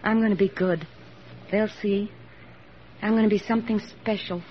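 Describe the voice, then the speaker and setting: An actress playing an eager young army nurse in a 1940s radio drama, earnest and soft-spoken, on a dull old radio recording. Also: female voice, mid-range voice, steady tone, moderate pace, slight background noise, natural voice. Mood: tender.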